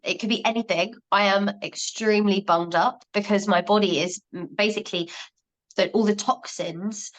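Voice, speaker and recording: A woman's voice: mid-range voice, fairly even intonation, moderate pace, a bit bright, low-quality recording. A woman podcast host chatting casually about her own experiences with massage. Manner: chatty, personal anecdotes.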